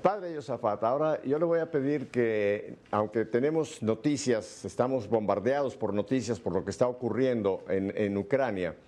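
A man's voice: medium pitch, moderate pace, few pauses, warm tone. A male interviewer with a mid-range voice poses long, careful questions. He keeps attentive, murmuring agreement while his guest talks. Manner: attentive, frequent backchannel murmurs.

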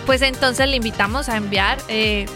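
A woman's voice: on the high side, steady tone, moderate pace, music in the background. A woman co-hosting a casual religious radio show.

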